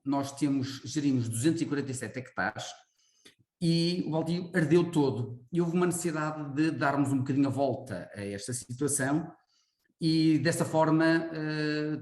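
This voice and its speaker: A man's voice: mid-range voice, darkish tone, echoey room. A man with a European Portuguese accent, presenting on a video call and explaining things with frequent restarts. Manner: explanatory, restarts phrases often. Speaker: representative of a community forest association.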